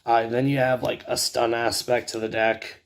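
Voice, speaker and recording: Man, raspy scratchy voice, heavy vocal fry, casual tutorial chat, halting, filler-heavy. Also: mid-range voice, level tone. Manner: rambling, hesitant, filler-heavy. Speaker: host of a card game video channel.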